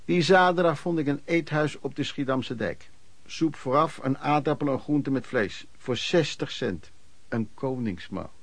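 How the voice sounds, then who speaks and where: A man's voice: medium pitch, measured pace, no room sound. Dry-sounding male storyteller. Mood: matter-of-fact. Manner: colloquial, matter-of-fact storytelling. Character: plain-spoken male pedlar recounting his wanderings, wry. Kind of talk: dramatised first-person narration.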